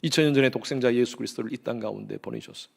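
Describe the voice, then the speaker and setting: A middle-aged man preaching a sermon as pastor, swinging between loud exhortation and hushed, low tones. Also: very fast, creaky, breathy edge.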